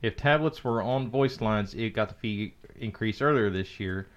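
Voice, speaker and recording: A man's voice: on the low side, normal speed, muffled recording. A man co-hosting a podcast, chatting casually about tech news in a sarcastic, joking way. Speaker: podcast co-host.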